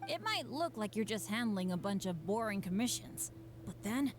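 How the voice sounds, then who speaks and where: A woman's voice: mid-range voice, big pitch swings, moderate pace, noisy background, natural voice. A woman voicing an eager, unlucky, self-deprecating teenage boy adventurer in a video game, with an earnest, boyish, hesitant delivery. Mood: admiring. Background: game music.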